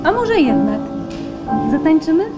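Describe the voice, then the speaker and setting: A high-voiced, coy young woman. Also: sing-song, a little slow, loud music behind the voice. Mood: coaxing. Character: coy, sweet young woman on a date, a staged copy. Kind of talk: radio play acting.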